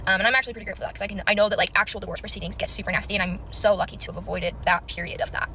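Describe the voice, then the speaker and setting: A woman's voice: medium pitch, steady tone, very fast, sharp tone, slight background noise. A young woman with a Utah accent telling a personal story casually and chattily, with lots of filler likes. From Utah, USA. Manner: chatty, many likes and self-quotes.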